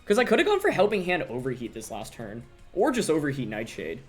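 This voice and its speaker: A young man gives live commentary on his own competitive match, thinking out loud and second-guessing every move at a fairly quick pace. His pitch bounces around energetically. Soft background music plays beneath his desk-mic narration.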